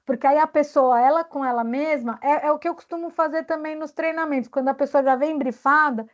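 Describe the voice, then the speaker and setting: A woman coach, appearing as a guest speaker, talks casually in an online meeting, sounding thoughtful as she searches for words. Her voice sits high with fairly even intonation and a fairly quick pace. The video call audio is dull and lo-fi.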